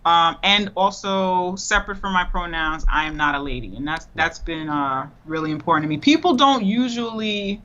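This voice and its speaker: A woman's voice: on the low side, moderate pace, few pauses, dull audio. A woman in her thirties, a podcast guest chatting expressively over a video call from a home room. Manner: chatty, expressive, laughs easily. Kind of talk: casual conversation.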